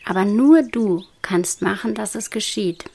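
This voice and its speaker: A woman guiding a hypnosis meditation in a soft, slow whisper. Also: mid-range voice. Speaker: hypnosis guide.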